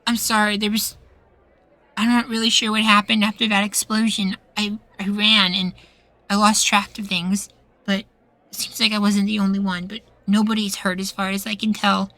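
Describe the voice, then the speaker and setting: A man acting a sweet, anxious, devoted young boywife in a soft, pleading ASMR roleplay. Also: high-pitched, flat delivery, moderate pace, dry recording, poor audio. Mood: worried, relieved.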